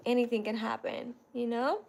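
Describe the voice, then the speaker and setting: A woman in her thirties talks casually to her viewers. Her voice sits a little higher than most women's. She keeps a loose, chatty flow, full of "like" and "you know". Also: fairly even intonation, moderate pace, gravelly, a little mellow. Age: 30s. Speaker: content creator. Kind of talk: casual livestream chat answering viewers.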